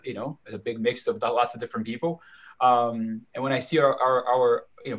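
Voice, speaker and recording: A man from Brazil with a Brazilian accent, moderating a discussion in a quick, friendly way. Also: medium pitch, fairly bright tone. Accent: Brazilian Portuguese.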